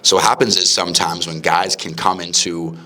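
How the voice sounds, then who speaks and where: A young man hosting a casual podcast chat, animated and acting out the people he talks about. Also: low voice, brisk. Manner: animated, acts out quoted people in raised voices. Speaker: podcast host.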